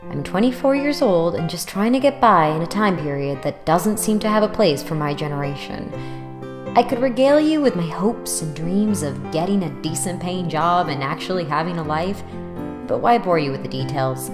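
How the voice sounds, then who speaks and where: A woman's voice: on the low side, lively intonation, normal speed, long reverb tail, natural voice. An actress playing a sarcastic, exasperated young college student who narrates her own story in an audio drama, wry and self-deprecating. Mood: chatty, self-deprecating. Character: snarky, exasperated 24-year-old woman, broke college student. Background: music.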